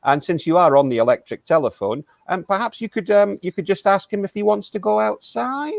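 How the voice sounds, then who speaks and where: Here a male improviser voices a flustered, halting DJ at a small station who keeps tripping over his words and starting over with callers. The voice is high and pushed up, animated with vocal fry, and there's no room sound at all.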